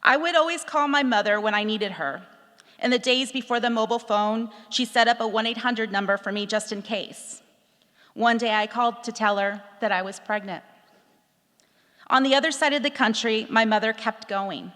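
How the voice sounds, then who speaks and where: A middle-aged woman from Texas reading a personal essay aloud, in a reflective, measured storytelling manner. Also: fairly high pitch, a bit bright. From Texas, USA. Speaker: speaker telling a personal story. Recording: long hall reverb.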